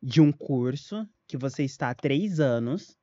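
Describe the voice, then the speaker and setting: A man's voice: medium pitch, lively intonation, measured pace, warm tone, no echo. Admiring, informal male interviewer. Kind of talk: conversational interview questions. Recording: dull lo-fi dry audio.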